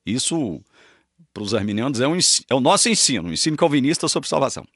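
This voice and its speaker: A man preaching Reformed doctrine with strong emphasis, repeating key phrases. His pitch rises and falls widely from line to line. The sound is dry and close, with no room echo. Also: sing-song, quick pace, fairly bright tone. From Brazil. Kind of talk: doctrinal teaching talk.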